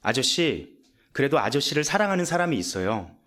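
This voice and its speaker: A man acting out a brave, calm young boy who speaks with quiet, earnest sincerity. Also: mid-range voice, brisk.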